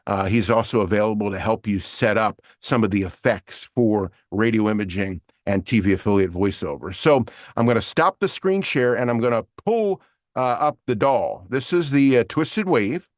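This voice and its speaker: A man's voice: on the low side, animated, normal speed, no room sound, clean studio sound. Casual male voiceover coach explaining. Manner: casual, explanatory, many fillers and restarts. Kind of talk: online lesson with screen share.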